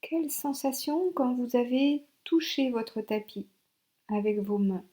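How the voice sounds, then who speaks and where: Female meditation guide, fairly high register, warm relaxed timbre, short spaced-out instructions. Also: a little slow. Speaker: yoga nidra instructor.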